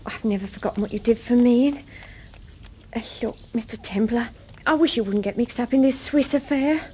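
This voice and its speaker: An actress playing a worried, evasive young nightclub hostess in a radio drama, with a British accent. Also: female voice, a little high, a little fast, dark tone, a little hiss or hum, lightly acted. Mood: earnest warning.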